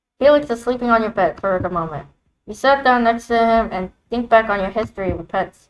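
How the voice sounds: Natural reading voice, ordinary pitch movement, quiet surroundings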